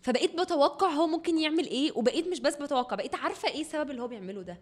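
Very fast-talking Egyptian woman, slightly high. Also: animated. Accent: Egyptian Arabic. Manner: mostly Arabic with occasional English words. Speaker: podcast guest. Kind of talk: casual personal chat. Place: indoor podcast recording.

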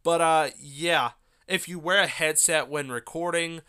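Young man, podcast host, loose rambling chat, crisp clean voice, fairly high pitch. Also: unhurried, pushed and bright. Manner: rambling, loose with many fillers and asides. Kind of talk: casual solo podcast talk.

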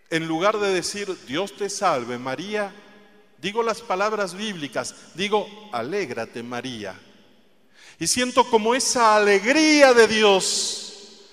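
A man preaching a sermon to a congregation, speaking deliberately and softening his voice on quoted words. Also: high-pitched. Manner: slow, deliberate, soft emphasis on quoted words. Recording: long reverb of a large hall.

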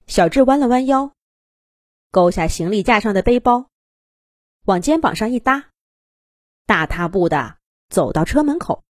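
A woman narrating a scripted fairy tale for young children in an animated, expressive storytelling manner. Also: medium pitch, measured pace, pauses often, dry recording, clean studio sound.

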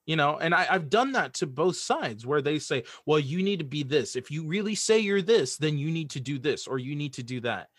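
A man's voice: fairly high pitch, animated, normal speed, hardly any pauses, a bit bright, breathy edge, no room sound. Earnest man talking in a close, dry space. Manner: earnest, emphatic, repeats himself. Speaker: podcast guest, audio drama creator. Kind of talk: casual opinionated conversation.

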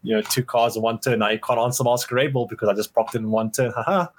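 A man co-hosts a casual gaming podcast. He rambles, circling his points with fillers. His pitch is ordinary. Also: fairly even intonation, fast talker, slight background noise. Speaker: podcast co-host. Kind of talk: casual chat.

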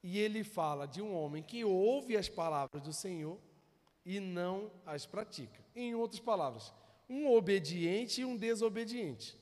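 A man with a Carioca accent preaching a sermon, animated and exhorting the congregation. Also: sits high, a little slow. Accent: Carioca Brazilian Portuguese. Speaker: pastor. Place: church hall. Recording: reverberant hall.

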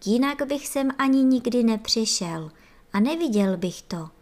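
A woman's voice: fairly high pitch, lively intonation, darkish tone, pitched above the performer's own voice, close to an everyday voice. A woman voicing an eager young ant boy. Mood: cheerful.

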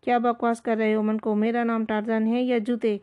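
A woman voicing a gruff, short-tempered male jungle king who talks in commands. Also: on the high side, level tone, dull audio, close to an everyday voice.

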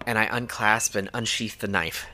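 Earnest, low-voiced teenage Boy Scout. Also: steady tone, normal speed, bright, forceful tone, soft background music. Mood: nervous pride. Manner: formal, bashful, stammering. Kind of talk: tabletop roleplaying audio drama.

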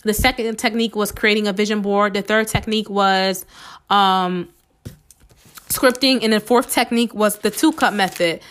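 A woman hosting a casual solo podcast, chatty and encouraging with many fillers, her voice slightly hoarse from a cold. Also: medium pitch, fairly even intonation, moderate pace, fairly bright tone. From United States. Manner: chatty and encouraging, many "um"s, addresses listeners as "y'all". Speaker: podcast host.

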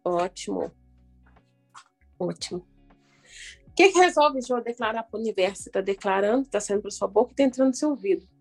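A woman's voice: fairly high pitch, animated, fast, darkish tone. A Brazilian woman hosting a motivational self-help radio program, instructing listeners directly with emphatic repetition and guided declarations, with music behind her.

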